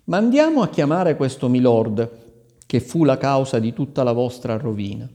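A man's voice: medium pitch, big pitch swings, normal speed, dark tone. A man voicing a clever young woman disguised as a viceroy, questioning and giving orders, in a long reverberant hall. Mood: commanding. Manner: commanding, questioning.

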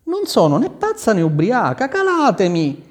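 A bold young storybook girl with a high, bright, eager voice that leaps around in pitch, as a man puts her on. She sounds quick and sure of herself. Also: wildly swooping pitch, long reverb tail. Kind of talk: storybook reading.

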